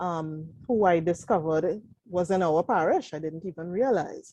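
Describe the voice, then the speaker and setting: A woman with a Trinidadian accent speaks at a fairly slow pace and a medium pitch. Her tone is dark and mellow, and her pitch varies in an ordinary way. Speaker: parent. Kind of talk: testimony.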